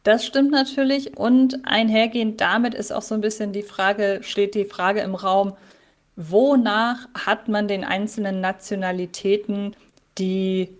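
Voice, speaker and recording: A woman's voice: mid-range voice, steady tone, measured pace. A woman co-hosting a podcast in casual chat, thoughtful and often restarting her sentences. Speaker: podcast co-host.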